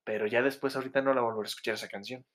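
A young man with a Mexican Spanish accent talks quickly through casual podcast banter. He is joking and crude, and his pitch sits at an ordinary middle level. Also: fairly even intonation, fairly bright tone. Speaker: podcast co-host. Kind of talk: casual chat.

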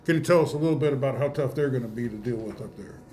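A man with an American accent and a mid-pitched voice hosts a casual sports interview. He speaks haltingly, repeating words as he builds each question. Faint noise sits behind him. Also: mellow. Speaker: sports radio interview host.

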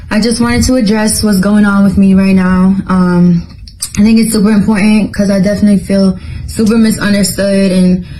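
A woman's voice: medium pitch, dark tone, slight background noise, low-quality recording. A woman recording a video statement to fans, earnest and defensive, saying "like" often. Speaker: singer addressing fans.

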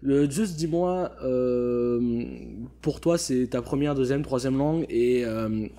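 This is a young man hosting a casual chat, with a relaxed, chatty way of talking. His voice is mellow and warm. He leans on fillers while he steers the conversation. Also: mid-range voice, takes it slowly. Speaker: host.

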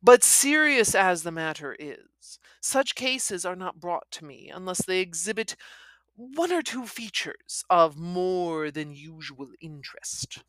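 A woman reading aloud and voicing a calm, formal male detective in a measured, polite way. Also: on the low side, dry recording.

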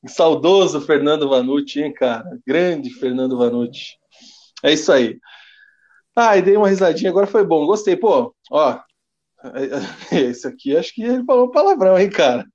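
A man's voice: on the high side, animated, normal speed, darkish tone, lo-fi sound. A Brazilian man co-hosting a casual sports podcast, reading standings and listener comments with a joking tone. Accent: Brazilian Portuguese. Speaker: podcast co-host.

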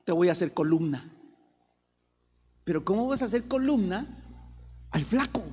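A man preaching a sermon as a pastor, dramatic, swinging from loud emphasis to soft low passages and acting out quoted voices. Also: lively intonation, normal speed. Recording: long reverb, faint room noise.

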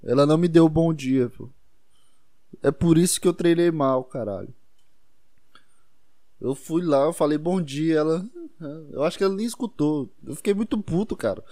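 Mellow-voiced Brazilian man rambling casually. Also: on the high side, normal speed, pauses often, dry recording, studio quality. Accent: Brazilian Portuguese. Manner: animated, swearing, self-deprecating storytelling.

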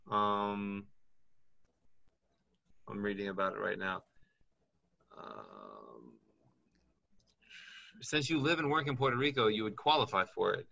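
A man's voice: fairly low pitch, vocal fry, sharp tone, highs cut off. A man working as a business consultant, talking in a chatty way and thinking aloud as he reads up on things during a call. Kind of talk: casual advice call.

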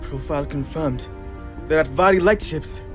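A man's voice: on the high side, moderate pace, soft background music, close to an everyday voice. An actor playing an alert bridge crewman giving clipped, urgent reports in a science fiction audio drama.

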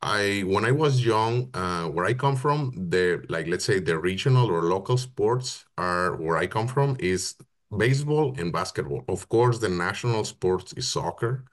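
A man from Mexico, a guest telling his story in a casual interview, pausing often and restarting as he searches for words. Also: lowish voice, animated. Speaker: football operations project manager, guest.

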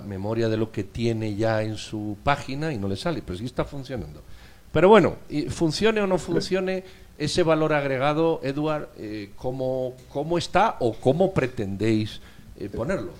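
A man's voice: medium pitch, normal speed. A man co-hosting a radio interview who asks probing, insistent questions. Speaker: radio co-host.

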